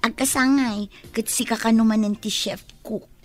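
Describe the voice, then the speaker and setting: A woman's voice: fairly high pitch, fairly even intonation, normal speed, faint music behind, natural voice. A young woman with an Ilocano accent, playing a chatty, teasing best friend in a radio drama. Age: young adult.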